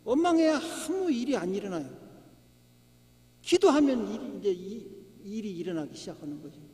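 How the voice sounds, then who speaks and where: Man preaching, very high voice, lively swooping pitch, emphatic, long church reverb. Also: normal speed. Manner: emphatic preaching with rhetorical questions and hallelujahs. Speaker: pastor. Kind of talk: sermon. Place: church sanctuary.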